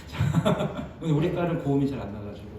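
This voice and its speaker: A man preaching a sermon as pastor, lively and conversational, acting out quoted lines with sudden loud jumps and laughter. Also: medium pitch, fairly quick, heavy reverb, recorded from a distance, a little hiss or hum, low-quality recording. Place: church sanctuary.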